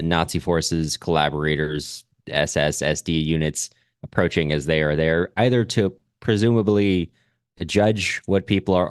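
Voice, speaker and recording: A man co-hosting a reflective literary discussion, speaking in a halting, thoughtful way as he searches for his words. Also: deep voice, clear, resonant tone, no echo, clean studio sound. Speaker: podcast co-host.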